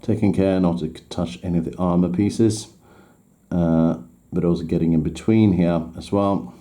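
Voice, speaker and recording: Low-pitched and dark in tone, with a steady delivery at a moderate pace, this man talks through painting a miniature in English, though Swedish is his first language. He's hesitant and stops to correct himself as he works.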